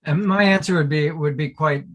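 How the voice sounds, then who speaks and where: Halting, thoughtful man on a panel. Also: a little high, fairly bright tone. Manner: halting, tentative, repeats words. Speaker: panelist, academic. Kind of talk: informal panel discussion.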